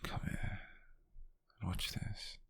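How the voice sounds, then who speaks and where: Speaking close to the mic in a breathy half-whisper, a British man plays a gentle, doting lover in an intimate ASMR roleplay. His delivery is slow and tender, with a soft, teasing mood running through it.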